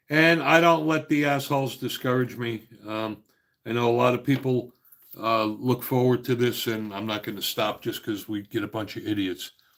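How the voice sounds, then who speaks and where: A man with a New Jersey accent speaks at a moderate pace and medium pitch, with ordinary pitch variation. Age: 60s. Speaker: gun channel host. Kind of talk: live stream chat reading viewer comments. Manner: casual, many filler words.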